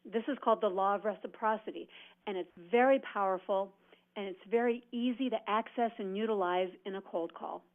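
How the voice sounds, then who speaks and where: A woman sales trainer presents cold calling tips in a motivational, emphatic instructional presentation, delivering points phrase by phrase. Her voice is medium-pitched and fairly quick, and the audio is dull and band-limited.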